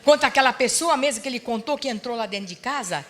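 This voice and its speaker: A middle-aged woman pastor giving a sermon at a church seminar, telling stories and swinging between hushed and emphatic preaching. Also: fairly high pitch, fast talker, a faint crowd. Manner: lively storytelling, acts out quoted dialogue.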